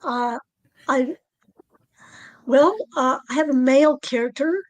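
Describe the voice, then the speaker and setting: A woman author with a low alto voice, speaking in a halting, soft-spoken way in a casual podcast interview. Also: no echo. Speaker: author guest.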